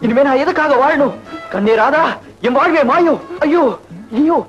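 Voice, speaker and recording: A swaggery young hero, high lively voice, teasing and over the top, soft music behind. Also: male voice, normal speed, muffled recording. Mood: mock-dramatic. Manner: swaggering, taunting, theatrical. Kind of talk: 1980s film comedy dialogue.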